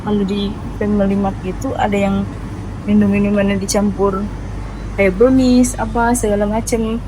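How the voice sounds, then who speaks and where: A woman from Indonesia chats with viewers as she vlogs on the move through a busy outdoor amusement area and nearby shop. Her medium-pitched voice shows little pitch movement at a normal speed, with background noise audible.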